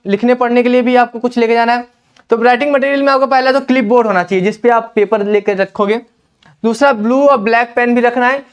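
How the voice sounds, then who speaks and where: A man's voice: very high-pitched, smooth. A young man coaching exam candidates at a whiteboard, giving instructions and often checking in with "theek hai". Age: young adult. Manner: instructive, repeats "ठीक है" often. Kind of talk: whiteboard lesson. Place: indoor classroom at a whiteboard. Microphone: lapel mic.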